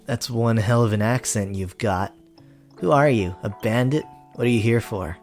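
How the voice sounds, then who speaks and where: A woman's voice: extremely low pitch, normal speed, a little mellow, soft background music. A woman voicing a jaded, foul-mouthed village boy in a story game, blunt, curt and mocking. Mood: suspicious, mocking. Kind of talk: dramatic character voice reading of a story game.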